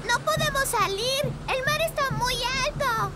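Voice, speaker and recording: Eager little fairy girl, very high-pitched. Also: unhurried, very noisy. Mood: worried. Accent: Latin American Spanish. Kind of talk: children's cartoon dub acting.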